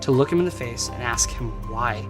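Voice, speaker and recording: A man's voice: mid-range voice, fairly quick. A man hosting a true crime show, narrating casually with wry jokes and slang asides. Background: background music.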